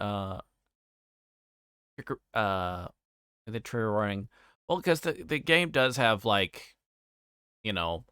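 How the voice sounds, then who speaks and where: A man livestreaming, reading a visual novel aloud and chatting casually to viewers with halting, rambling asides. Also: medium pitch, sharp tone, smooth, no room sound, studio quality.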